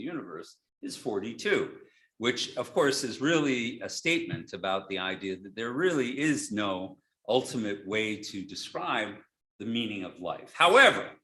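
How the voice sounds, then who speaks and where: Lively intonation and a bright, sharp tone mark this man's medium-pitched voice at a moderate pace. Audible room echo is present. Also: big swings in loudness. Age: 60s. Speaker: rabbi. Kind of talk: sermon. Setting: synagogue service, streamed.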